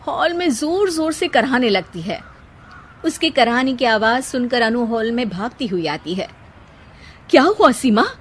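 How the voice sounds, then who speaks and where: A woman giving scripted narration for a moral bedtime story, in an even storytelling manner. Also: on the high side, moderate pace, a little hiss or hum.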